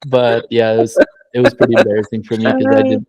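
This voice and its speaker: A man's voice: medium pitch, wildly swooping pitch, fast, darkish tone, no echo. A young man, a guest husband, telling a story in a hesitant, plain way in a casual chat.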